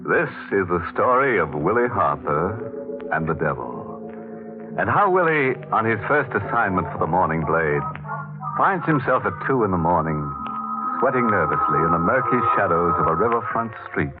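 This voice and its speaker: A ghoulish male host of a vintage radio horror show, teasing and theatrical. He speaks low with big, mock-friendly swoops of pitch, savouring every macabre pun. The muffled old broadcast has music behind him. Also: sing-song, moderate pace. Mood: ominous. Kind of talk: 1940s radio acting.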